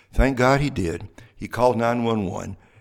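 Vocal fry marks this man's Southern US accent. His pitch varies in an ordinary way. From US South, Alabama. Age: 60s. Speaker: pastor. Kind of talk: personal update monologue. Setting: recording at home.

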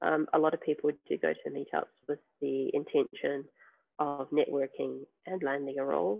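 The speaker is a woman with a New Zealand accent. She talks at a moderate pace. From New Zealand, Auckland. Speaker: software testing engineer and author. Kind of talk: interview.

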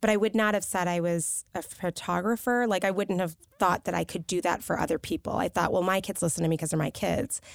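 A woman with an American accent and a normal speaking voice talks at a fairly quick pace and medium pitch, with ordinary pitch variation and hardly any pauses, in dry, close sound with no echo. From US Midwest, Chicago suburbs. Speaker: family photographer. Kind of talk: interview conversation.

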